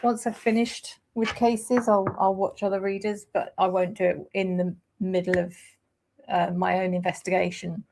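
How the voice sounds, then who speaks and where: A woman hosting a live tarot stream, laying out cards and thinking aloud with hesitant pauses. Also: mid-range voice, flat delivery, gravelly, a little mellow, a little hiss or hum, low-quality recording. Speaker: tarot reader host.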